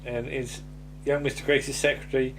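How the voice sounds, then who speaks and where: A man's voice: medium pitch, level tone, moderate pace, soft background music, rough recording. A man with a slight lisp, casually recapping a sitcom episode and hesitating with many ums and restarts. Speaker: podcast co-host.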